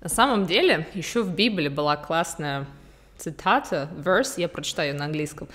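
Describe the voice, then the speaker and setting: A young woman with a lowish voice talks informally to camera, explaining things in a conversational way. She drops English terms into her native speech as a bilingual speaker. The open living room adds a long reverb around her voice. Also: animated, normal speed, fairly bright tone. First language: Russian with English as a second native language. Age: 20s. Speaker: video blogger. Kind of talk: casual explainer to camera, mixing in English words. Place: large open-plan living room indoors. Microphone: desktop condenser microphone.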